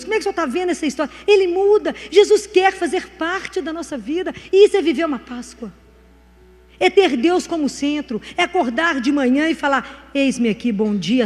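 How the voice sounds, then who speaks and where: Brief: woman preacher, high voice, chatty testimony, in a reverberant hall. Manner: chatty storytelling, acts out quoted dialogue. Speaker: Christian speaker, doctor. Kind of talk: testimony sermon.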